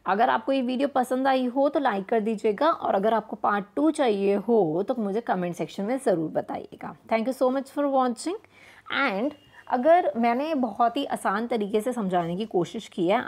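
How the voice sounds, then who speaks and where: A woman teacher from India explains a lesson. Her voice sits a little high. She asks the listener questions and repeats key words as she teaches. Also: moderate pace, a little mellow, breathy edge. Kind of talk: explaining lesson in Hindi-English mix.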